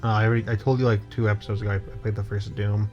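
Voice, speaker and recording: A man's voice: lowish voice, flat delivery, rapid-fire, a little mellow, highs cut off, faint music behind. A young man co-hosting a casual chat, stammering and repeating words as he rambles through an absurd improvised story. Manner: stammering, repeats words, goofy nonsense humor. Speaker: co-host.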